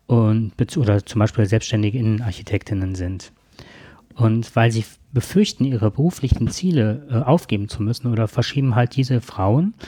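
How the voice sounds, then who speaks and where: Mann mit belegter, dunkel-weicher Stimme. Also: male voice, medium pitch, mellow, no echo. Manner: halting, hesitant phrasing, formal wording. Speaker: podcast co-host. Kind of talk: conversational explaining from notes.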